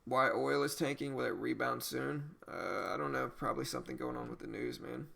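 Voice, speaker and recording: Fairly quick and medium-pitched, with vocal fry, the host of this day-trading livestream comes from Louisiana and carries a slight Cajun accent. He's relaxed and conversational while reading through viewers' comments, saying "you know" a lot.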